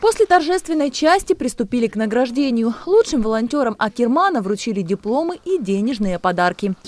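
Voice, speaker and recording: The speech moves at a fairly quick pace with hardly any pauses. Background noise is noticeable. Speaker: TV reporter. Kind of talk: scripted narration.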